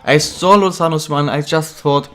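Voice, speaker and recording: Young guy a bit sick, voice a little off, higher pitched, rambling over his football game and yelling at goals. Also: normal speed. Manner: chatty, excitable at goals. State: slightly ill, voice a bit off. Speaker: gaming channel host. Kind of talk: casual gameplay commentary.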